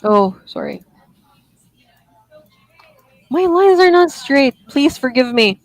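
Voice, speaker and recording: A woman gives one-on-one IELTS feedback over a video call, her voice on the higher side. She corrects gently, laughs easily and apologizes for her own slips. The sound is dry and close to the mic. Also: lively intonation, slow, no room sound, faint music behind, rough recording. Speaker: IELTS speaking teacher. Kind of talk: online one-on-one lesson feedback.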